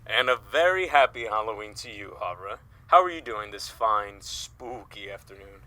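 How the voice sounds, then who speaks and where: Man playing bright, jovial, effusive office colleague. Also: on the low side, animated, moderate pace, rough recording. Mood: cheerful. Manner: cheery, effusive, courtly. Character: jovial, folksy male newspaper office colleague. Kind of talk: audio drama dialogue.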